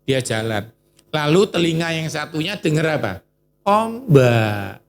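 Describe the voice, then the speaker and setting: A man preaching a sermon in Indonesian churches' lively style, asking the congregation questions and calling on a reader. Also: a little high, measured pace, a little hiss or hum.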